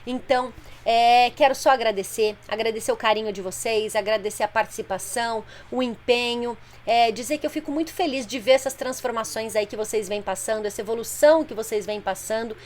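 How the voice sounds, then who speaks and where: A woman's voice: fairly high pitch, fairly quick, few pauses, a little hiss or hum. A woman parenting coach talking directly to mothers on a live stream, explaining plainly and patiently. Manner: explanatory, plain-spoken, addresses viewers directly.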